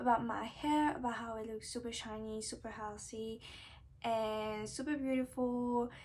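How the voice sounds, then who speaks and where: A woman at a fairly high pitch with a non-native accent, fairly even intonation and a moderate pace. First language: not English. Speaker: beauty and hair care vlogger. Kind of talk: casual talk to camera.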